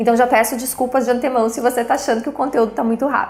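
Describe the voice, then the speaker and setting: High female voice against clearly audible background noise. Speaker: parenting content creator. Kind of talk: tutorial. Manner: fast; animated.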